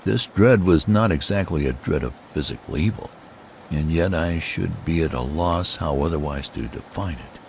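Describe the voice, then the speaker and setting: A man reads a gothic horror story as a dramatic narrator, with theatrical, deliberate phrasing and pauses. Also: extremely low pitch, creaky, a little mellow, a little hiss or hum.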